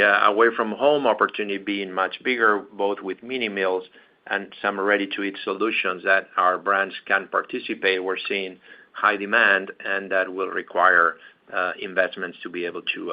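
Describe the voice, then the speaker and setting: Low monotone exec guy on an earnings call, stop-start delivery, kinda muffled audio. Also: moderate pace, creaky. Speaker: company executive answering analyst questions.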